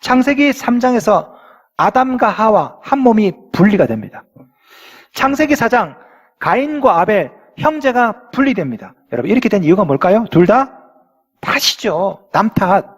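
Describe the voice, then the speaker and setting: Animated high-voiced pastor preaching. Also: male voice, moderate pace, breathy edge. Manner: animated preaching, rhetorical questions to the congregation. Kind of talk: sermon. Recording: long church reverb.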